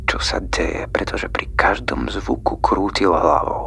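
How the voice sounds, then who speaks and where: A man whispers in a dramatic, menacing tone. Noticeable background noise sits behind him. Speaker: true-crime narrator. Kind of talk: true-crime horror narration, first-person as a Nazi occupier. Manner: grim, slow, suspenseful, dramatic storytelling; cold, detached, menacing.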